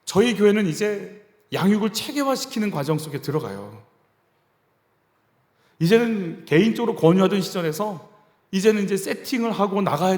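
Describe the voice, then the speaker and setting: Male pastor, lively conversational sermon, roomy echoing church sound. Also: high voice. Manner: conversational preaching, acts out quoted voices. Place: church sanctuary. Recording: reverberant church hall.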